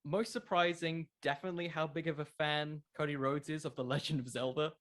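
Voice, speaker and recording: A man's voice: fairly high pitch, fairly even intonation, brisk, a bit bright. A man answering questions in a casual interview, thinking aloud and repeating words as he goes. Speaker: podcast creator, interview guest. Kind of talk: casual interview chat about wrestling fiction.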